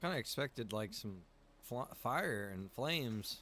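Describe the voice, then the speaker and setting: A man's voice: mid-range voice, animated, slow, sharp tone, slight background noise. A man chatting casually on a gaming stream in a rambling, casually profane way. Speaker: streamer playing a roleplay survival game.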